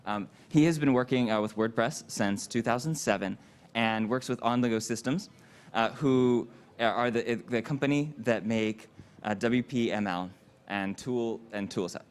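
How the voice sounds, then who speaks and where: A man hosting a conference session, introducing the next speaker in a friendly, slightly halting way. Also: medium pitch, smooth. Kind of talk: event introduction. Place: conference hall.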